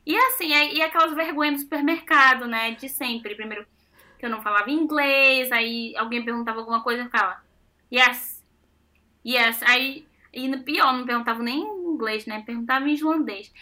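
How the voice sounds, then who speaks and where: A young Brazilian woman chatting casually, telling stories with animated, self-mocking exclamations. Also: high voice, fairly quick. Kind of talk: casual chat.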